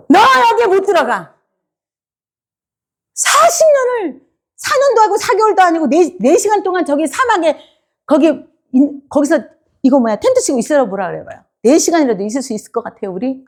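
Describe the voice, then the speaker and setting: Lively high-voiced woman preaching a sermon. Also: fairly quick. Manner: lively, quizzes the congregation, acts out the people she describes. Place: church sanctuary.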